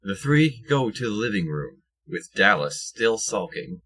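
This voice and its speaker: A man narrates an audio drama from a script. His voice is very low and noticeably husky. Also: big pitch swings, unhurried, fairly bright tone.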